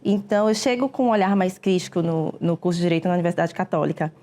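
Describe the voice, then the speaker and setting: A woman, a public defender answering interview questions in a measured, explanatory way with frequent hesitations. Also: fairly low pitch, fairly even intonation, dark tone. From Brazil.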